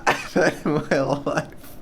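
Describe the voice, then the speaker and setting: A man's voice: fairly high pitch, fairly even intonation, slow pace, a bit bright, slight background noise. A man streamer making dry, sarcastic remarks in casual live-stream banter. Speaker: streamer and AI developer.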